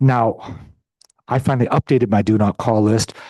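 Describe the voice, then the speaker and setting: An American-accented man speaks at medium pitch in a dark, mellow tone at a moderate pace, with a dry, close sound with no echo and a quiet background. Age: 60s. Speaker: real estate broker leading a meeting. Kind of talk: office meeting talk.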